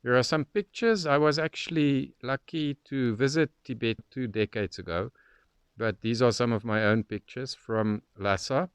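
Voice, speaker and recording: A man's voice: medium pitch, normal speed, smooth, no echo. A man giving an informal, explanatory voice-over as a radio hobbyist. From South Africa. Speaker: shortwave radio hobbyist narrator.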